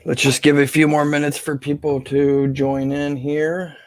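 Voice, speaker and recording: A man with a slightly hoarse voice hosting a casual live question-and-answer stream, speaking informally and haltingly off the cuff. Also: fairly high pitch, flat delivery, no echo, studio quality.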